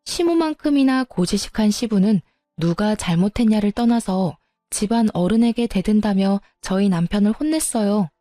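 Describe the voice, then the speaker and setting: A woman narrating a family story in the first person, in an even storytelling manner. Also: mid-range voice, dry recording, clean studio sound. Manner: even, storytelling, politely firm in quoted lines.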